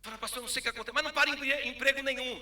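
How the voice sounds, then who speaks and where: A man's voice: very high voice, racing, reverberant. A man with a Brazilian Portuguese accent preaching a sermon as pastor, telling stories and acting out the dialogue. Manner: storytelling, animated, acts out dialogue.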